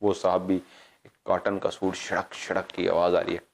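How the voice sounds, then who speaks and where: Lower-voiced man telling a ghost story. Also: moderate pace. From Pakistan. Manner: animated, acts out quoted dialogue, digresses and corrects himself. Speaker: paranormal show host telling a story. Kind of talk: casual storytelling.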